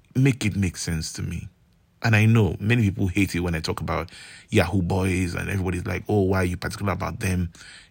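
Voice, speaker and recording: A man speaks at a very fast pace with a very deep, low pitch. His voice is somewhat breathy, with fairly even intonation. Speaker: social media commentator. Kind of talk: casual vlog monologue. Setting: recorded while travelling in London.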